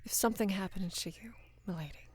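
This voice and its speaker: A young woman playing a devoted, lovestruck female knight in an intimate roleplay audio, speaking in a hushed, breathy, halting and earnest way. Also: mid-range voice, slight background noise, lightly acted. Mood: earnest, worried. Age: young adult. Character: devoted female knight, tender, anxious, in love with queen. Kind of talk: intimate roleplay audio, soft acted monologue.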